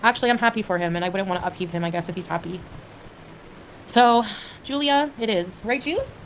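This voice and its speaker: A woman's voice: medium pitch, fairly quick, a little hiss or hum, poor audio. A woman from Canada chatting on a livestream, hesitant and rambling, with lots of fillers as she reads viewers' comments. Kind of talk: casual livestream chat.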